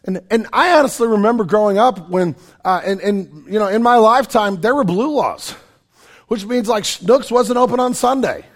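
A middle-aged man, preaching a sermon in a conversational, self-deprecating way with joking asides, his voice raspy and hoarse from a cold. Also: high voice, normal speed. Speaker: pastor.

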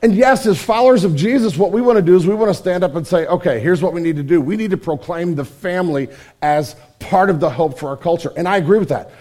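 A middle-aged pastor preaching in a church, his voice raspy and hoarse, earnest and emphatic with many repetitions. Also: sits high, fast, darkish tone. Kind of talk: sermon. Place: church sanctuary.

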